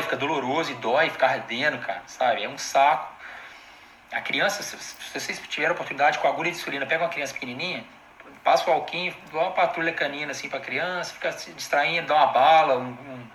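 A Brazilian man, an anesthesiologist, gives a casual live-stream lecture in an informal, animated way, full of slang and quick asides to his audience. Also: a little high, reverberant, slight background noise, poor audio.

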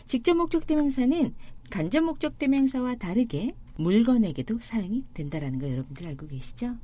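Woman doing a spanish grammar lesson, husky, warm, bouncy pitch, slows down on examples. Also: very animated. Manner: clear explanatory, slows to spell out example sentences. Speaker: Spanish teacher. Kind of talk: language lesson narration.

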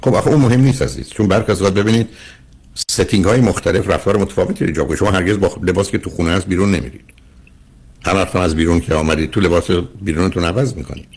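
An older man with a husky voice, a radio counseling host giving earnest, lecturing advice to a caller. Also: low-pitched, darkish tone.

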